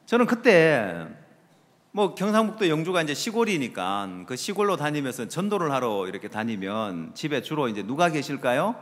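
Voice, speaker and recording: A middle-aged male pastor, preaching a sermon with lively rhetorical questions to the congregation and low trailing asides. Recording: long reverb of a large hall.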